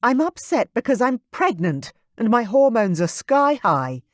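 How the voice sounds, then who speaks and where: An audiobook reader voicing a pregnant young woman who is emotional and quick to anger, in a raised, intense voice. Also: very animated, no echo, clean studio sound. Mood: indignant. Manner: high-pitched, intense, loud. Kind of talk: audiobook character voice.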